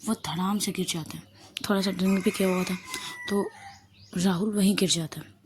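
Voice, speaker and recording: A woman narrating a love story in a casual, soft-spoken way, often dropping to a whisper. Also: mid-range voice, fairly even intonation, normal speed, noisy background.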